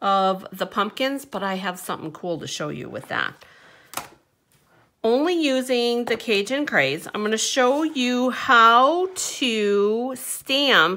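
The voice has a bright, sharp tone and very wide pitch swings. It moves at a very slow pace. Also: woman. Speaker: craft demonstrator. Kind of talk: tutorial.

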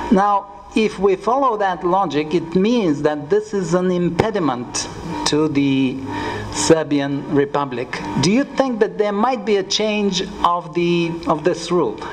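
Someone speaks at a fairly slow pace over light background noise. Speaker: audience member asking questions. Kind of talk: Q&A question. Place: hall. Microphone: podium.

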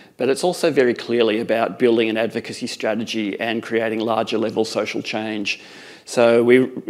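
A man with an Australian accent, fairly quick and flat, monotone in delivery. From Melbourne, Australia. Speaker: nonprofit director. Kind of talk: panel presentation. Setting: conference stage with audience.

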